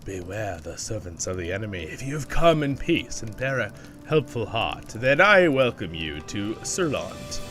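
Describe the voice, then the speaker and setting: A man's voice: fairly low pitch, sing-song, normal speed, fairly bright tone, faint music behind. A man voicing a stern, welcoming male camp leader, reading quest text aloud. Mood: solemn.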